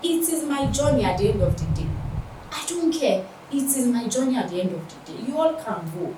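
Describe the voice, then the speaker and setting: Nigerian woman guest, lively repetitive chat, roomy distant mic, noisy background. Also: a little high, brisk. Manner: laughs often, repeats herself. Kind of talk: casual interview chat.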